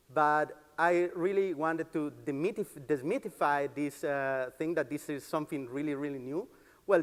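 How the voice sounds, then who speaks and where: A man speaks to a conference in a large hall with long reverb around his voice. He explains things as a developer advocate, informally and with enthusiasm, pausing and feeling for words at times. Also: on the high side.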